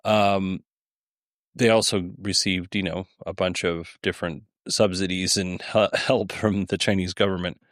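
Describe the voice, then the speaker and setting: A man's voice: sits low, fairly even intonation, measured pace, fairly bright tone, no room sound, clean studio sound. A man hosting a podcast solo, giving informal, rambling commentary with an occasional chuckle in his delivery. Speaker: podcast host. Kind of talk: casual solo commentary on audio clips.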